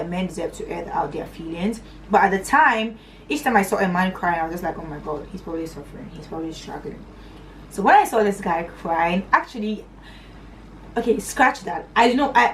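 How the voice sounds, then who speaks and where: A young woman from Northern Nigeria telling a personal story on her vlog in a chatty, animated way, her voice swinging up high and dropping to low asides. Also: recorded from a distance, a little hiss or hum, rough recording. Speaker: vlogger.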